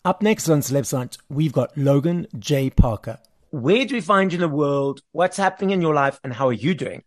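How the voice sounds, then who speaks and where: A man's voice: fairly high pitch, expressive, fairly quick. A man from South Africa hosting an interview show, reading an upbeat introduction and then asking questions. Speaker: host. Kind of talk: podcast interview.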